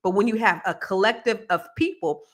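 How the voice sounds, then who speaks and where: A woman's voice: medium pitch, a little fast. A woman hosting a casual panel discussion, putting questions to the guests. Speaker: host.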